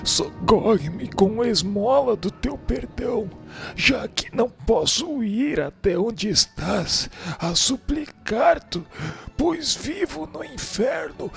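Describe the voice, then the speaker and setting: An actor playing a remorse-crazed, condemned son who begs forgiveness with anguished, pleading melodrama in a radio drama. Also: male voice, very high voice, vocal fry, full character voice. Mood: desperate pleading. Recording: music behind the voice. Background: music.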